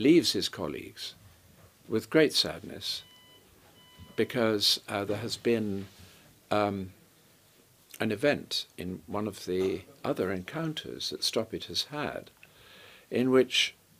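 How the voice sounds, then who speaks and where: A man's fairly low voice at a very slow pace, with long, frequent pauses. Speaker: interviewee. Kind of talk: interview answer. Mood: relaxed, amused. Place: hall.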